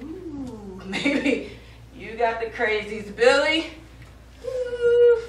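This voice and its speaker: A woman's voice: sits high, very animated, very slow, echoey room, far from the mic, a little hiss or hum, full character voice, poor audio. A woman on stage playing a bossy, exasperated, foul-mouthed theatre stage manager, brash and emphatic. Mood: wry. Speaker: stage actor. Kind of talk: live stage comedy acting. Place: small indoor theatre stage. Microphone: far camera.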